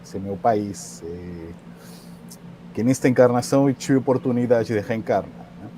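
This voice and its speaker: A man from Peru in his forties, a native Spanish speaker with a Peruvian accent, giving an interview over a video call in a relaxed, somewhat hesitant way. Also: medium pitch, moderate pace, a little hiss or hum. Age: 40s. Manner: relaxed, hesitant, with filler sounds. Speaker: guest. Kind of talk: conversational interview.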